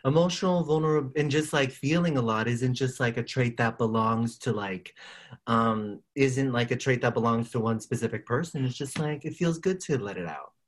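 A man's voice: mid-range voice, moderate pace. Candid young man who laughs easily. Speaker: podcast co-host. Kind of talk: casual chat.

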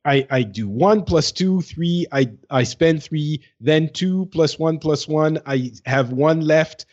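A man's voice: on the high side, takes it slowly, a little mellow, dull audio. A man co-hosting a casual gaming podcast, thinking aloud in a hesitant way. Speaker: podcast co-host.

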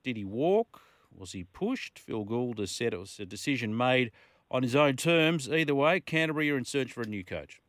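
A man with an Australian accent hosting an evening sports talk radio show, chatty and brisk, running through news and call-in details. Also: medium pitch, lively intonation, dry recording, clean studio sound. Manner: brisk, chatty, reads out phone numbers and clues.

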